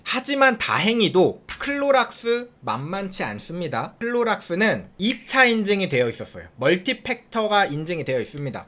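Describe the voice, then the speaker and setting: A man's voice: high voice, a bit bright. A man hosting a show, telling a story in a casual, playful, chatty way and acting out the scenes. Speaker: host.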